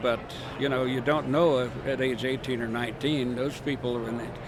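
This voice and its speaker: A man with an American accent, medium pitch and fairly even intonation, amid audible room echo and noticeable background noise. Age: 80s+. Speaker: music industry veteran. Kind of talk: interview. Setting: conference. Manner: halting.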